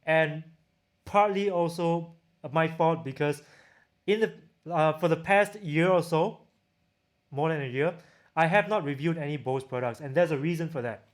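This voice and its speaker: A man with a Singaporean accent chatting casually as a livestream host, reading out and answering viewer questions. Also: a little high. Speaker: livestream host, audio gear reviewer.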